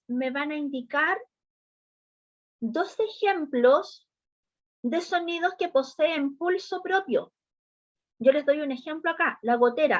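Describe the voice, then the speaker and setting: A woman with a high voice teaches a music class, explaining each idea patiently and stopping often to ask whether her students are following. The sound is dry and close, with a dull, lo-fi tone. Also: no room sound. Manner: patient step-by-step explaining, often checking understanding with short questions. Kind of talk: online class lesson.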